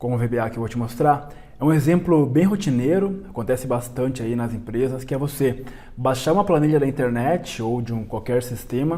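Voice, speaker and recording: Dark, mellow tone, moderate speed, and ordinary pitch variation. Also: man. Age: 30s. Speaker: online course teacher and founder. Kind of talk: tutorial. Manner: casual.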